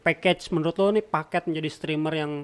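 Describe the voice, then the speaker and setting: A man's voice: on the high side, steady tone, fairly quick, smooth. A man hosting a casual podcast, asking prodding questions. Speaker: podcast host.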